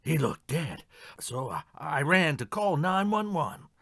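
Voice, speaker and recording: A man's voice: on the high side, big pitch swings, unhurried, gravelly, a bit bright, no echo, studio quality, heavily acted. A man acting a stubborn, defensive horse trainer in an audio mystery play, respectful but defiant. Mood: nervous, evasive. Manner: defensive, addresses superiors respectfully.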